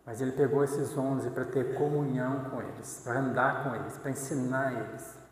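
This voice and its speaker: A man's voice: medium pitch, fairly even intonation, normal speed. A man preaches in an easy, talking-to-you manner, checking in with the congregation as he goes. His voice sits in the middle range. The sound rings with long echo through a large church hall. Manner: conversational, tag questions. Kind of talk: sermon.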